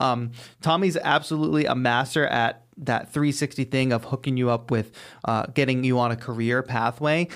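A man talks in an ordinary speaking voice at a medium pitch and moderate pace, with ordinary pitch variation. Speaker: podcast and livestream host. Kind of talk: casual interview chat. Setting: online livestream.

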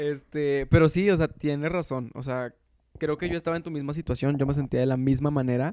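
At a fairly quick pace, a man with a fairly high pitch speaks with fairly even intonation. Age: 20s. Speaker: university student podcaster. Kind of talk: casual chat.

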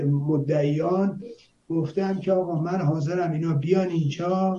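A man with a high yet dark, mellow tone speaks fairly slowly with fairly even intonation. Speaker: political activist and commentator. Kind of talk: interview.

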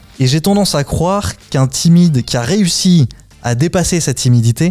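A man speaks at a moderate pace with lively intonation and a fairly high pitch. Music plays in the background. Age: 30s. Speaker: podcast host and public speaking trainer. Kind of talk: casual chat.

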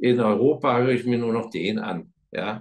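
A man with a plain, everyday voice, a medium pitch and a fairly slow pace. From Germany. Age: 60s. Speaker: value investor. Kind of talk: interview.

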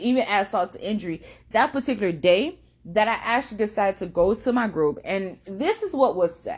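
A woman's fairly high voice, animated in tone, with lively intonation and a fairly quick pace. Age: 30s. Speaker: podcast host. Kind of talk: casual monologue.

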